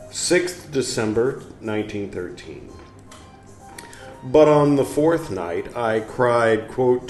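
A man hosting a show where he reads a book aloud, musing and pausing to talk back to the text in casual asides. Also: fairly low pitch. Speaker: podcast host reading aloud. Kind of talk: slow reading with casual asides. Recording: roomy room with faint background music. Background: soft instrumental music.

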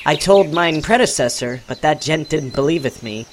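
A man's voice: fairly high pitch, lively intonation, normal speed, a little hiss or hum, voice pushed up, natural voice. A man voicing a precocious six-year-old boy clone who speaks in mock-archaic English. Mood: matter-of-fact. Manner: mock-archaic speech, sassy and knowing.

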